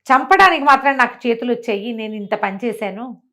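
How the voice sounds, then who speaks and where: A woman's voice: on the high side, a little fast, fairly bright tone. A woman storyteller voicing a proud male bandit who turns remorseful, speaking in emphatic exclamations and questions to himself. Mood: anguished, remorseful.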